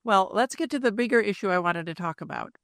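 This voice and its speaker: A woman hosting a podcast, speaking earnestly in a steady, scripted personal monologue. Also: mid-range voice, fast talker, dry recording, clean studio sound. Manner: earnest, steady, with show plugs. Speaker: podcast host.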